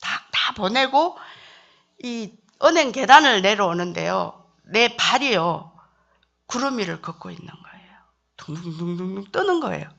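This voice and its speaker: Lively, bright-voiced woman giving testimony. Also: mid-range voice, a little slow, vocal fry, dull audio. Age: middle-aged. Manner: emotional storytelling, acting out her prayers aloud. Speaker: missionary wife giving testimony. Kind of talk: church testimony.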